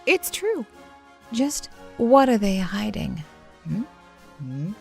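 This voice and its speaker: An actress playing a swaggering wasteland militia lieutenant in a comedy, declamatory and tough with mock-official boasting. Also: female voice, medium pitch, wildly swooping pitch, takes it slowly, gravelly, darkish tone, faint music behind, exaggerated voice. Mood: swaggering, taunting. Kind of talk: comedic audio drama acting.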